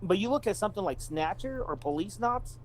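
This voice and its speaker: Man with very lively, swinging intonation. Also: sits high, a little fast, slight background noise, poor audio. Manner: blunt, emphatic, repeats himself. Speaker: podcast co-host. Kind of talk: casual opinionated chat about video games.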